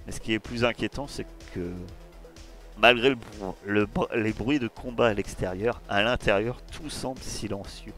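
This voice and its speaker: A man acting as game master, narrating a tabletop horror game in slow, searching, descriptive scene-setting. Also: lowish voice, fairly even intonation, fairly bright tone, faint music behind.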